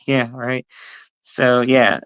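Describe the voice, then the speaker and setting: A trans woman speaking as a podcast guest, hesitant and soft-spoken with frequent ums. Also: rumbling low, fairly even intonation, very slow. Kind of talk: casual podcast conversation.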